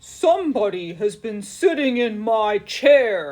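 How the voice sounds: Someone puts on a gruff, fairly high character voice and delivers it at a fairly slow pace.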